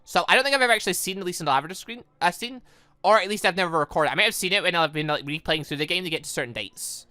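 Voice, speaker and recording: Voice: medium pitch, rapid-fire, pushed and bright, dry recording. A gaming YouTuber doing rambling, thinking-aloud playthrough commentary on a visual novel, reading its dialogue out. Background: game music.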